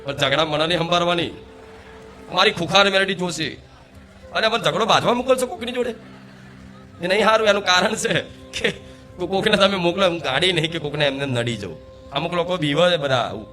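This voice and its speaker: This preacher speaks as the goddess to a live devotional audience in a high, animated voice that is pushed and bright, moving at a quick pace over soft background music. Rhetorical throughout, he quizzes the crowd, calls for their responses, and repeats key words for emphasis.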